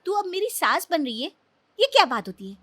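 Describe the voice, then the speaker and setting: A woman's voice: big pitch swings, brisk, a bit bright, no echo, heavily acted. A woman voicing a pushy, sulky young wife in a Hindi cartoon, pleading and huffy by turns. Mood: demanding. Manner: pleading then huffy, high-strung.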